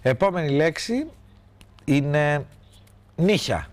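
A man's voice: fairly high pitch, lively intonation. A man hosting a talk show, playfully prompting his guest with questions. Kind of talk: interviewing.

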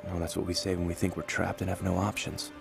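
A man's voice: low-pitched, little pitch movement, quick pace, creaky, music in the background. A male actor playing a resolute, world-weary fugitive ex-soldier in a motion-comic thriller, grave and determined in manner. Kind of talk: dramatic motion-comic voice acting.

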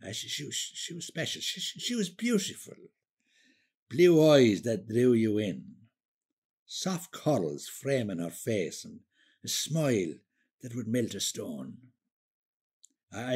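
An actor playing a romantic older Irish husband in a radio drama, reminiscing tenderly and wistfully in an Irish accent, sometimes halting and repeating words. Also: male voice, medium pitch, very animated, darkish tone, breathy edge, full character voice.

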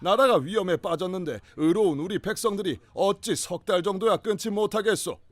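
Man acting a resolute high-pitched patriot orator. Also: fairly quick. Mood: solemn resolve. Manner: solemn, formal, rousing oratory. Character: resolute early-1900s Korean patriot addressing his fellows. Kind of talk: historical speech in audio drama.

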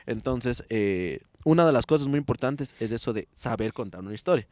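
A man's voice: medium pitch, a little fast. A young man hosting a casual comedy podcast, acting out stories with sound effects. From Ecuador. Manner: animated, acts out anecdotes with sound effects. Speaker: podcast host.

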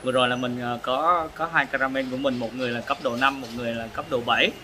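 Halting man reviewing food, noisy eatery. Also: medium pitch, steady tone. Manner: halting, with hesitations and repeats. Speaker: food vlog host. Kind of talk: casual food review while eating. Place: open-air casual restaurant. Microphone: camera across the table. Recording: noisy eatery ambience, traffic.

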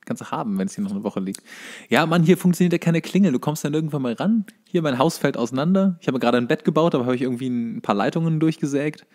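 A man's voice: fairly high pitch, expressive, fast, a little mellow. A young man co-hosting a podcast in casual banter, slipping in dry, joking asides. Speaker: podcast co-host.

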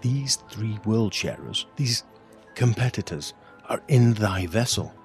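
An actor playing a scheming, bitter pirate captain in a Shakespearean audio drama, speaking with deliberate insistence. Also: male voice, lowish voice, expressive, darkish tone, faint music behind. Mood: insistent, tempting. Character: scheming, bitter pirate captain urging treachery on his lord.

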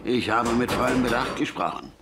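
Brief: male actor as a crusty old gunsmith, gravelly and mocking, radio play. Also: medium pitch, brisk, background noise, natural voice. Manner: scolding, mocking, laughs at the younger man. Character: gruff older male gunsmith, blunt and teasing. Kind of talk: German radio play acting.

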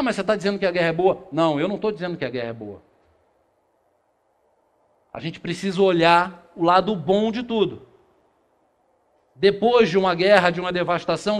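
A middle-aged man from Brazil giving a spiritist lecture in a small meeting room, reading passages aloud and posing rhetorical questions that he answers himself. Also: sits high. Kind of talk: lecture to a seated audience. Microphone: far camera, no handheld mic.

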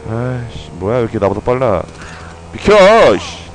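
A young man giving loud, excitable commentary while playing a video game, swearing and shouting at what happens on screen. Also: mid-range voice, unhurried, rough recording. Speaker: gameplay streamer.

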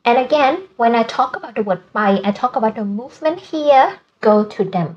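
A woman with a Thai accent, a native Thai speaker, teaching a language lesson and slowly repeating words. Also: high-pitched, animated, a little mellow, dull audio. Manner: slow, careful repetition of Thai words.

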